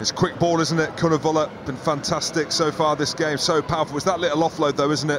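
Noticeable background noise sits behind this recording. A man with a fairly high pitch speaks at a fairly quick pace. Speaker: rugby co-commentator. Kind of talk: live rugby match commentary, analytical replay breakdown. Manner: animated, exclamatory bursts of praise; quick, clipped analytical fragments.

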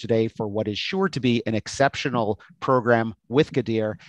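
Against a quiet background, a man speaks at a moderate pace with fairly even intonation. The sound is dry, with no echo. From Canada. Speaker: advocacy organization executive. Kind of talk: greeting speech. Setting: video call from hotel room. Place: home room. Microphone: video call.

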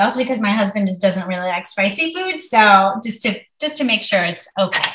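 An animated, bright and sharp voice carries an American accent and lively intonation. The background is quiet, with audible room echo. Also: woman. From Texas. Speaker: food and art educator. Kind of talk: cooking demonstration. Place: kitchen. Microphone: video call.

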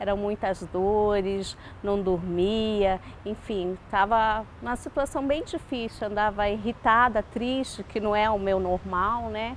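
Over light background noise, a woman speaks at a very slow pace with fairly even intonation. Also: medium pitch for a woman. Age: 50s. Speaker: student of a natural health course. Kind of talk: testimony. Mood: warm, reflective, smiling. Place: garden. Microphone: lapel.

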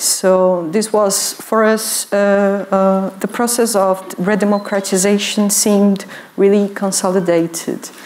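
A woman's very slow speech in a monotone, flat intonation, with very even loudness. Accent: Portuguese. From Brazil. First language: Portuguese. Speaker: architect and lecturer; speaker. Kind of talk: conference talk. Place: hall. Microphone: podium.

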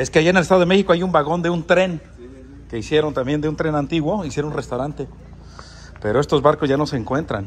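Speech comes at a very fast pace with ordinary pitch variation. Light background noise is present. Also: man. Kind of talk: casual vlog chat. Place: boat. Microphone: phone near.

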